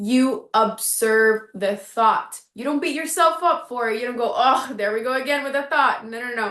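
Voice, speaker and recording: An animated woman with a non-native accent speaks in a high pitch with hardly any pauses. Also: ordinary pitch variation, moderate pace. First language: not English. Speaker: mindset coach. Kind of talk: online coaching class. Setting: video call. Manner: casual, animated.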